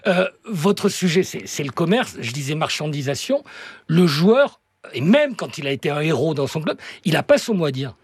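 Man, radio host interviewer, husky voice, dry close recording. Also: a little high, very animated, normal speed, no room sound.

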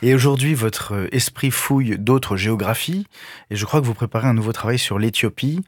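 A man's voice: medium pitch, fairly quick, breathy edge. A man hosting a radio interview, asking courteous, attentive questions. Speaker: radio host.

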